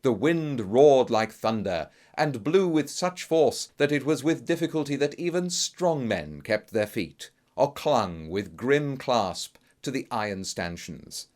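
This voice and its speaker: A man's voice: mid-range voice, expressive, measured pace, hardly any pauses, a little mellow. A man narrating a classic Gothic tale in a theatrical, grave and suspenseful manner, as a melodramatic audiobook reading. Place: recording studio.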